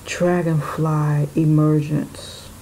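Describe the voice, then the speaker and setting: A woman's voice: low voice, little pitch movement, very slow, warm tone, slight background noise, low-quality recording. A woman giving an intuitive tarot reading, musing aloud and speaking to spirit and the viewer. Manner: musing, talks to spirit and viewer, laughs often. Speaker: tarot reader.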